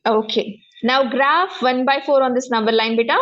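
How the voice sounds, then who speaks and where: A woman's voice: sits high, moderate pace, a bit bright, dull audio. A woman with a South Asian accent teaching maths one-to-one step by step, repeating herself and often checking that the pupil follows. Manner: repetitive, frequent check-in questions. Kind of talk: one-to-one lesson, explaining step by step.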